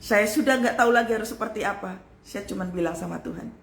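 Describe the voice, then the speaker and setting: A woman pastor delivers an emphatic, heartfelt sermon, addressing her listeners as "saudara". Her voice sits at an average pitch and swings from loud exclamation down to near-whisper. The recording rings with room echo over a faint background hum. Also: fast, vocal fry. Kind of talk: live-streamed sermon. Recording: echoey room with faint ambient noise.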